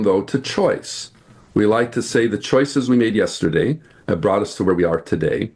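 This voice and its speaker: A man with a fairly low voice talks about spiritual ideas in an interview. He explains earnestly and patiently, and he stretches out his key phrases. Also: darkish tone. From United States. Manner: earnest, explanatory, slows to stress points. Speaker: guest.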